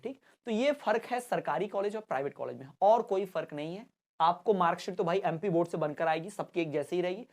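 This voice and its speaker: A man from Madhya Pradesh hosting an education channel, explaining in a chatty, casual way and often checking in with his listeners. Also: high voice. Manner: chatty, keeps checking in with listeners and addressing them as brother.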